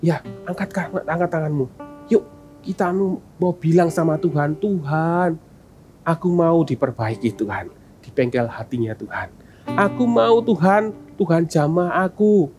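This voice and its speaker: Lively children's sermon teacher, swooping voice, soft guitar music behind. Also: medium pitch, a little slow. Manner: animated, asks kids questions.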